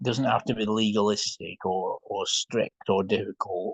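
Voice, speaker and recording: A man speaks with a Scottish accent in a fairly low pitch. The sound is dry and close, with no echo. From Scotland. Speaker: podcast host. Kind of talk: casual chat. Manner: hesitant, many fillers.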